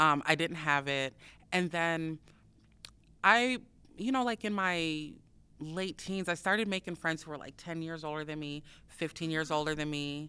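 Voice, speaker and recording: In a very clean recording with a silent background, a woman with an American accent speaks at a very deep, low pitch with a bright, sharp tone, ordinary pitch variation, a moderate pace, long, frequent pauses and big swings in loudness. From US Midwest, Minneapolis. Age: 40s. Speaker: author and artist. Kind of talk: casual chat.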